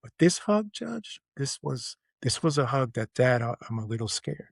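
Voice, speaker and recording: A middle-aged man hosting a show, who chats casually and reflects softly about his children. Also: mid-range voice, very animated, moderate pace, vocal fry, breathy edge, dry recording, clean studio sound. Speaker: host. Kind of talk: casual chat.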